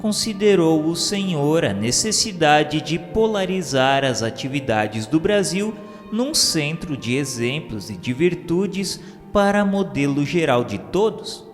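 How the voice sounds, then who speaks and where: A man's voice: on the high side, big pitch swings, measured pace. Formal male radio narrator in reverb. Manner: formal, solemn, declamatory storytelling. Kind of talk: scripted narration of a religious radio drama. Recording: reverberant, with music underneath.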